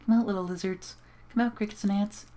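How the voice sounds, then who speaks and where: A man voicing a gentle, shy female pegasus pony in a soft, timid, kind way. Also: sits high, steady tone, fast talker, voice pushed up, natural voice. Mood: tender.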